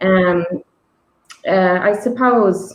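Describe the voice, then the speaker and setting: This woman speaks with an Irish accent. Her voice sits at a medium pitch, and her intonation is fairly even. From Ireland, Dublin. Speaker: psychic medium. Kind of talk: interview. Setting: livestream.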